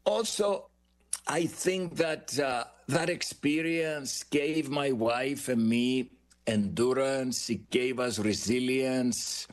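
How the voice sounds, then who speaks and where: An older man with a Greek Cypriot accent, a guest author telling his life story in an interview, measured and reflective, pausing often on "uh". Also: mid-range voice. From Cyprus. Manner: measured, reflective, frequent "uh" pauses.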